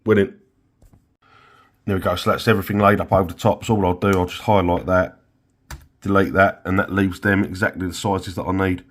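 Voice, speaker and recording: Man, croaky from flu, lowish voice, chatty step-by-step explaining. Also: level tone, fairly quick, pauses often. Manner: chatty, explains steps with many fillers. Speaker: vinyl livery maker. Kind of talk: casual workshop vlog.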